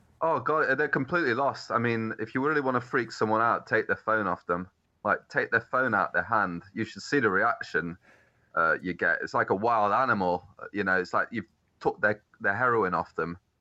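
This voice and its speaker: Here a man talks with a British accent at a moderate pace. The background is quiet. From UK. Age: 30s. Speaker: film director. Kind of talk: interview.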